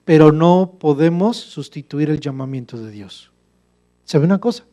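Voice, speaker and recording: A man's voice: on the high side, lively intonation, normal speed, warm tone. A male pastor preaching a sermon, emphatic and full of rhetorical questions to the congregation.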